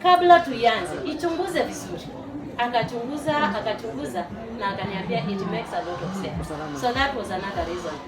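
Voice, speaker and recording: A woman in her forties from Uganda, a teacher and network marketer, giving a lively testimonial to a live audience and rallying them to clap. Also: medium pitch, brisk. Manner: lively, rallies the crowd to clap. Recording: echoey hall, far from the mic, noisy.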